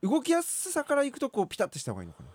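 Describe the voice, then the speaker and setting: Husky-voiced man in quick radio banter. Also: very high voice, wildly swooping pitch, darkish tone, dry recording. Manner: easygoing, quick back-and-forth. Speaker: radio co-host. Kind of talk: casual studio chat.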